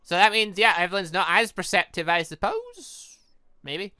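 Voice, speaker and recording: Let's-play commentator: chatty, rambling, stumbles often, bright and animated delivery, close dry sound. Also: medium pitch, normal speed, dry recording. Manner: rambling, stumbles over words. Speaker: gaming channel host reading and reacting to a visual novel. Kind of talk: casual let's-play commentary with read-aloud dialogue.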